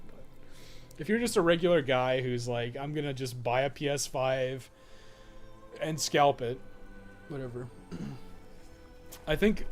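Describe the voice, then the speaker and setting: A man doing casual live game stream commentary, thinking aloud as he plays and swearing bluntly and often. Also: fairly high pitch. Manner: blunt, heavily profane; rambling, thinking aloud while playing. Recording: noticeable background noise.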